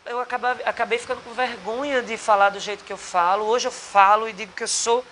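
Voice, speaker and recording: Talking quickly in a high, sharp voice with fairly even intonation, a Potiguar-accented man from northeastern Brazil's Rio Grande do Norte chats casually with an interviewer at a bar. The singer and actor is earnest but rambles and keeps restarting, with slight background noise behind him.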